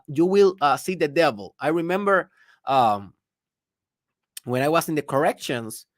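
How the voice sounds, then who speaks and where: A man's voice: fairly high pitch, no echo, clean studio sound. A man from Puerto Rico with a Spanish accent, a native Spanish speaker, hosting a reflective podcast monologue in an earnest, repetitive, lecturing way. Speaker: podcast host.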